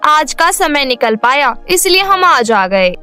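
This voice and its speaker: A groom's middle-aged mother from a cartoon family tale, acted by a woman. She speaks high and sharp, with blunt formality. Light music plays behind her. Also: very animated, slow, exaggerated voice. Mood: polite, puzzled. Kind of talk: animated moral story voice acting.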